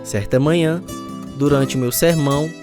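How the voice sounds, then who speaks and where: A man's voice: a little high, normal speed, natural voice. An actor playing a troubled, repentant man telling his own story as a dramatised radio testimony. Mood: reflective. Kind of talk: first-person dramatised testimony narration. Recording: music behind the voice.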